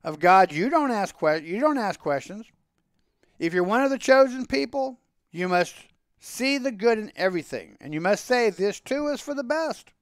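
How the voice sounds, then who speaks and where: A man's voice: high voice, expressive, moderate pace, dry recording, studio quality, pitched above the performer's own voice. A man voicing a poor, pious Jewish milkman from a storybook, declaiming in a wry, pleading, long-winded way. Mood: fervent. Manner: declamatory, rhetorical.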